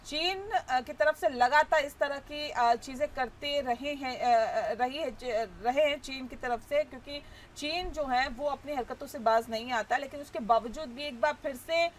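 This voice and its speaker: High-voiced woman anchoring a news debate. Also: slight background noise. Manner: measured, with many "uh" fillers. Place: TV news studio.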